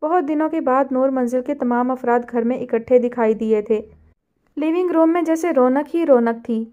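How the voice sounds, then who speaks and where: A woman's voice: high-pitched, dark tone, muffled recording. A woman narrating a novel as an audiobook, reading steadily. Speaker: novel reader.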